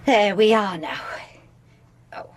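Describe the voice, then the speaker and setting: An actress playing a homely, talkative and deferential Welsh housekeeper in a 1980s British radio drama. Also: female voice, medium pitch, slow, a little hiss or hum, natural voice. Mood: deferential, chatty. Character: deferential, chatty Welsh housekeeper, married woman.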